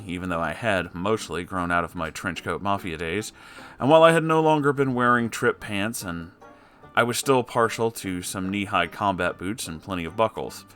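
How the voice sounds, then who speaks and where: A man's voice: lowish voice, a bit bright. A man reading a story aloud as a host, breaking in with wry, conversational asides.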